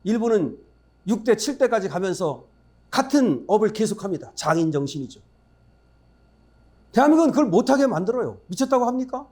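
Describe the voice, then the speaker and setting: High, lively-voiced man giving a fiery speech. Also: a little fast, long pauses. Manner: emphatic, rhetorical questions to the audience; blunt, scornful asides. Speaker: forum speaker. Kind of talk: political speech.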